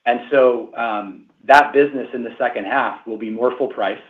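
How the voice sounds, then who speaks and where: A male finance executive explaining results on an earnings call in a steady, explanatory way, with fillers. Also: medium pitch, moderate pace. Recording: echoey tinny phone line.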